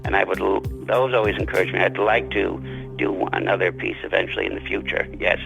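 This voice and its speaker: A man's voice: low voice, steady tone, fairly quick, vocal fry, fairly bright tone, soft background music, low-quality recording. A man being interviewed as an author, conversational and courteous, with formal turns of phrase and a self-deprecating manner.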